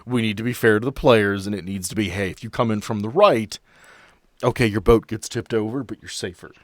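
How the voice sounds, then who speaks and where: Low-voiced man narrating a tabletop game. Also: fairly quick, dry recording, clean studio sound. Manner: vivid, dramatic scene-setting with casual asides. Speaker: game master (keeper).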